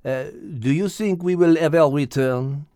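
A man's voice: a little high, a little slow, mellow, smooth, no room sound, studio quality, close to an everyday voice. A man voicing a courteous, strutting rooster in an animal story. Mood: courteous, wistful.

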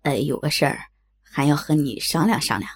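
A raspy, pushy middle-aged businessman, as a woman narrator puts him on for an audio story. His voice sits very low and grinds with gravel and a husky edge. He pleads and wheedles in a drawn-out way. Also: lively intonation, full character voice. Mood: pleading.

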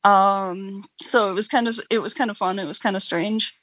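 Halting woman in casual chat. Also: medium pitch, fairly even intonation, dry recording, dull audio. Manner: halting, many ums. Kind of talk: casual movie discussion.

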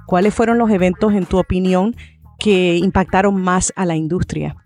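A woman's voice: on the low side, fairly even intonation, normal speed, a little mellow, no echo, soft background music. A woman who is a guest on a podcast interview, speaking in a chatty, friendly way with many fillers.

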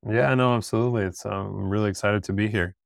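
A man in his thirties from Peru, a guest telling his story in a casual interview, relaxed and rambling with restarts. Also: lowish voice, quick pace, creaky, no echo, clean studio sound. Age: 30s. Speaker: guest, startup founder.

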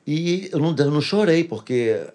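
A man's voice: a little high, animated, normal speed, a little mellow. A pastor tells his personal testimony in a casual interview, earnestly repeating phrases for emphasis.

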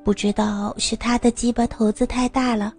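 A woman narrating a first-person adult audio story in an intimate, breathy manner. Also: on the high side, level tone, normal speed, a little mellow, faint music behind.

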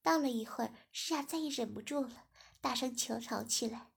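A woman reads a first-person story aloud in a steady, low-key way. Her voice sits a little high, with a gravelly fry and a husky grain. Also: moderate pace. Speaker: story reader.

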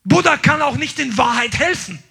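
A man preaching a sermon with passion, swinging between loud declarations and quick, quiet asides, now and then dropping in English words. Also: very high-pitched, animated, vocal fry.

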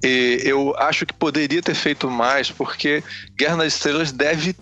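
Bright, forceful Brazilian male voice. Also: a little high, steady tone, normal speed, faint music behind. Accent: Brazilian Portuguese. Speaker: podcast co-host. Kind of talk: casual chat.

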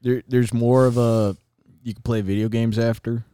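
A man's voice: medium pitch, little pitch movement, moderate pace, mellow, clear, resonant tone, no room sound, studio quality. A young man co-hosting a casual podcast, loose and crude in his banter. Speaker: podcast co-host. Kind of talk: casual chat.

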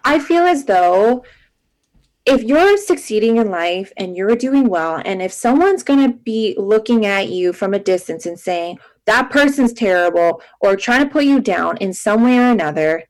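A woman's voice: mid-range voice, low-quality recording. Woman, young adult, from Alberta, podcast guest, chatty, emphatic. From Alberta, Canada. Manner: chatty and emphatic, many "like" and "you know". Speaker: guest, marketing agency founder. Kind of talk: casual podcast interview.

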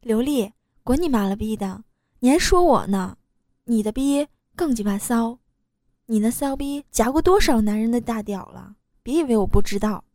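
A woman reading the lines of a cheeky young married woman in a quick, mocking manner. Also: on the high side, lively intonation, darkish tone, no echo, studio quality.

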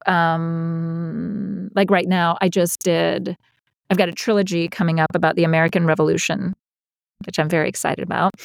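A woman chatting casually as an interview guest, talking in an animated, expressive way that wanders off on tangents. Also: fairly low pitch, creaky, no echo, clean studio sound. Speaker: guest, audiobook narrator and acting coach.

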